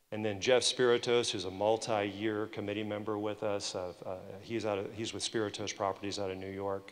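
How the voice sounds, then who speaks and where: Fairly quick and monotone, a man speaks with flat intonation. He has a fairly low pitch and an American accent. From US South. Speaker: event manager. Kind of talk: conference announcements. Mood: warm, appreciative. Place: hall. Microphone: podium.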